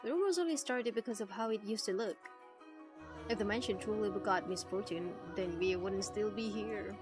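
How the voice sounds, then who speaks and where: A woman streamer reading a visual novel aloud and reacting in an animated, teasing way, swearing freely. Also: medium pitch, moderate pace. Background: music.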